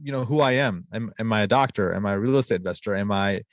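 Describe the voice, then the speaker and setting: A young adult man hosting a podcast interview. He talks reflectively, paraphrasing his guest and working in quotes, recorded on a boom-arm studio mic in an office studio. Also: fast, dry recording. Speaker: podcast host, physician.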